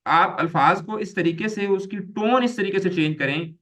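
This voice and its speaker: A male grammar teacher gives a recorded lecture aimed at exam students. His voice sits slightly high and sounds bright and forward. He explains step by step, repeats each term and slips English words into his sentences. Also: moderate pace. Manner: explains patiently, repeats key terms, acts out examples; mixes English terms into explanations.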